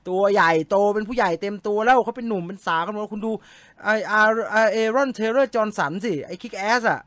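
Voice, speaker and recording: High, bright-voiced man chatting on a stream. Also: normal speed, dry recording. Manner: chatty, joking, reads comments aloud and answers them. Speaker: live stream host reading viewer comments. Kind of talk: casual live-stream chat.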